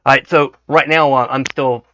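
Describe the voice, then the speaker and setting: A man with a hoarse voice from a cold, talking through a software tutorial casually and checking in with "okay" as he works. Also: medium pitch, steady tone, moderate pace, slight background noise. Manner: thinks aloud, frequent "okay" checks. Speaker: 3D modeling tutorial host. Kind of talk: casual screen-recorded tutorial. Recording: dry, dull lo-fi mic.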